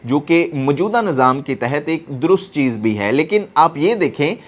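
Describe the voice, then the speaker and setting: A man's voice: a little high, animated, moderate pace. Pakistani man giving earnest political commentary.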